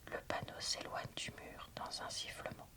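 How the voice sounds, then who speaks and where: A woman softly whispering as she reads a novel aloud in an unhurried, deliberate ASMR style. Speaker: booktuber reading a novel aloud and reviewing it. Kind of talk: ASMR whispered book reading.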